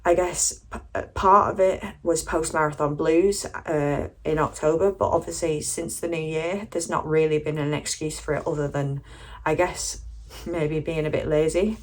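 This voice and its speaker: Low-pitched British woman, casual vlog chat. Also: steady tone, normal speed. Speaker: running vlogger.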